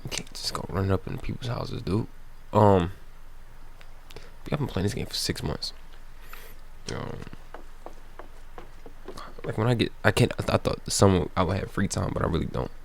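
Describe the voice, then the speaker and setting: A man's voice: low-pitched, moderate pace, creaky, long pauses, a little hiss or hum. A young adult man giving casual, slangy, offhand walkthrough commentary as a gaming video host.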